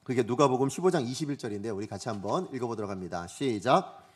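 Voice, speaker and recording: A man's voice: medium pitch, expressive, quick pace, breathy edge. A man preaching a Sunday sermon as pastor, asking the congregation questions and acting out quoted voices. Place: church sanctuary.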